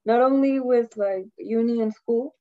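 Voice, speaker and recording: Her voice a bit high and her pace a little slow, a Costa Rican university student chats as a guest in an informal interview. She's talkative, laughing frequently and leaving sentences unfinished, over dull, muffled lo-fi audio.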